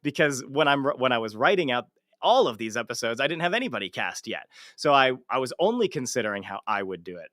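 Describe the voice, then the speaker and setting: Bright-voiced man in casual chat. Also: medium pitch, big pitch swings, quick pace, no room sound, clean studio sound. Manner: informal, swears freely. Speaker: show host and amateur voice actor. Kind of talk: casual livestream interview chat.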